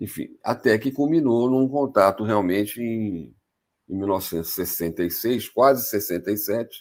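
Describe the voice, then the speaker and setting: A man's fairly low voice moves at a moderate pace with ordinary pitch variation. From Brazil, São Paulo city. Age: 60s. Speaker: ufologist, contactee. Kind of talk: live stream interview. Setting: online live stream.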